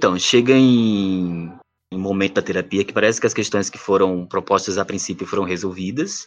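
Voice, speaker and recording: In a plain, everyday voice, a man speaks at a moderate pace with fairly low pitch and fairly even intonation. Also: big swings in loudness. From Aracaju, Sergipe, northeastern Brazil. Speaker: psychologist and sexologist. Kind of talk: interview.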